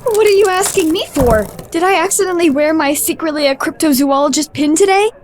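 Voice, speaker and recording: A woman's voice: extremely high pitch, a little fast. An actress playing a jumpy, sarcastic fifteen-year-old girl with snappy delivery in an audio drama. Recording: loud music behind voice.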